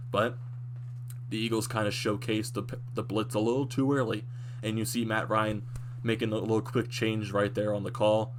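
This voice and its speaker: A young man with a lowish voice rushes through a fan's recap of a football game, getting animated and restarting his sentences as he goes. His voice sounds a little worn, as if it is starting to go. A steady hum runs behind him through the whole recording. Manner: excited, animated fan recap with frequent restarts. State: slightly losing his voice. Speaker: sports fan commentator.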